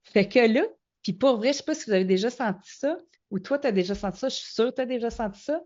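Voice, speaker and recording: A woman's voice: a little high, fast. A middle-aged woman with a Québécois French accent, a guest telling her story in a casual interview and acting out the voices she quotes. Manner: animated storyteller, acts out quoted dialogue. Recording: slightly muffled lo-fi audio.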